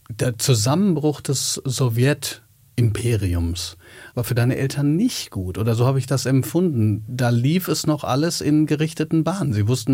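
A man's voice: medium pitch, darkish tone, husky, dry recording. A man as host of an interview talk, with an ordinary mid-range voice and a dry recording. He asks long, winding questions and engages closely with his guest.

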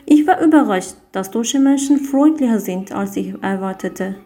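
A woman's voice: mid-range voice, expressive, moderate pace, mellow. A woman from Turkey, a language learner, speaking carefully as if reading aloud.

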